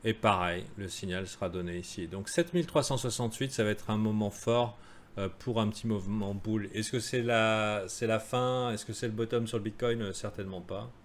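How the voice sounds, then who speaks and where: A man's voice: on the low side, brisk, slight background noise. A man giving a live crypto chart analysis in a casual, joking way, with many fillers and asides to viewers. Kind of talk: live-streamed market analysis.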